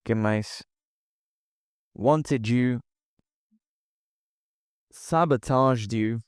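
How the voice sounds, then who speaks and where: In a casual online lesson, a man teaches English pronunciation step by step, often checking in with his students. His medium-pitched voice is smooth and very slow, and the clean studio recording has no room sound.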